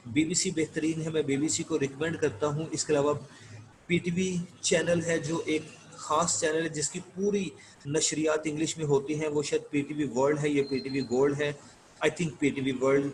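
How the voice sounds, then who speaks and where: A man giving a university lecture on pronunciation, reading English examples slowly and explaining them, often checking in with his students. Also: fairly high pitch, a little hiss or hum, rough recording. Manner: switches between English reading and explanation, asks "ٹھیک ہے؟"; slow, deliberate reading of English example sentences.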